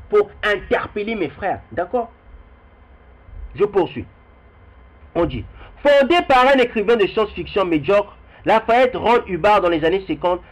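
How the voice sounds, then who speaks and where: A young man speaking straight to his viewers in a rambling video commentary, repeating himself as he goes. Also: sits high. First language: Kikongo heritage language. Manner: rambling, repeats words, addresses viewers directly. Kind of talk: spoken video commentary with readings. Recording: dull lo-fi recording.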